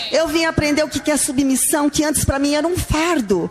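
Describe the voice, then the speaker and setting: With music playing in the background, a woman speaks. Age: 60s. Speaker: church member sharing. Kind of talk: testimony.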